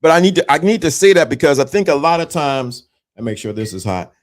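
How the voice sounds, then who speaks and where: A man's voice: a little high, big pitch swings, brisk. A man in his fifties hosting a live stream, giving a motivational talk to his viewers and repeating his key points. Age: 50s. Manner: repetitive, preachy, addresses viewers directly. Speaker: livestream host.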